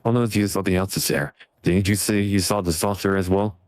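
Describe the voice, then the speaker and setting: A man reading game dialogue through a voice changer that lowers his voice, playing a cryptic man who speaks in riddles. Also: steady tone, quick pace, no room sound. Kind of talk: voicing game dialogue on a stream.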